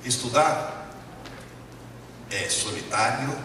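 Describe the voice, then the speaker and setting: A man with an Italian accent and Italian as his first language, giving a lively, joking lecture to a live audience and asking them questions. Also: medium pitch, slow pace. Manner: animated, jokey, asks the audience questions. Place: large hall with a live audience. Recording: echoey hall from far off, noisy.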